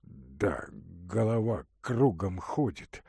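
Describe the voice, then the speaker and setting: Give me a feverish young man, weak and breathless, speaking low and faint in halting bursts, as a man voices him. He talks slowly, and the sound is dry and close. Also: big pitch swings, vocal fry, warm tone, slightly rough, no echo, full character voice.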